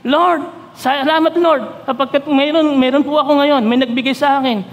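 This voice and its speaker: High-voiced Filipino pastor preaching in a hall. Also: male voice, steady tone. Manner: reads verses slowly, then questions the congregation. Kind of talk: Taglish sermon. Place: church. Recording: long church-hall reverb.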